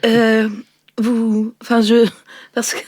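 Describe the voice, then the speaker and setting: A woman playing a polite, earnest new-age yoga devotee, flustered and halting as she talks herself calm in an improvised role-play. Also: on the high side, no echo, clean studio sound. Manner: halting, breathing through her emotions, therapy-speak.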